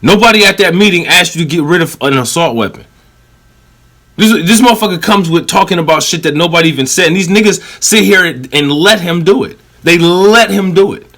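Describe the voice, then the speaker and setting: A man gives heated reaction commentary on a clip, blunt and sarcastic, with plenty of profanity. His voice is bright and forceful and sits a little high for a man. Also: lively intonation, a little fast.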